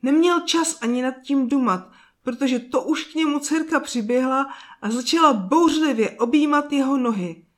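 Calm woman reading a children's tale. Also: sits high. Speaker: storyteller. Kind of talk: scripted storybook narration.

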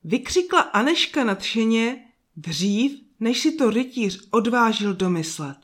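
A woman narrating a fairy tale in a slow, soft storytelling manner with drawn-out pauses. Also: on the high side, animated.

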